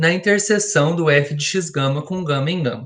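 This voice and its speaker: At a moderate pace, a man talks in a high pitch. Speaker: math teacher. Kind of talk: lecture.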